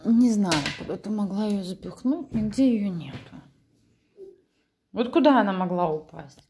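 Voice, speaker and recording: A woman's voice: mid-range voice, lively intonation, normal speed, background noise. A woman in her thirties chatting informally in a casual home vlog, as a mother of young children. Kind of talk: casual vlog chat, talking to camera and to her toddler. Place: living room and bedrooms at home, indoors. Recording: echoey room.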